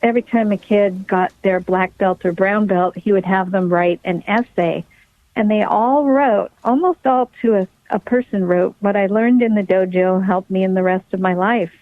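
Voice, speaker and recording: A woman's voice: mid-range voice, normal speed, no echo. Woman on a dry, phone-like line. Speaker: guest, pediatric neurologist. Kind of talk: conversational interview.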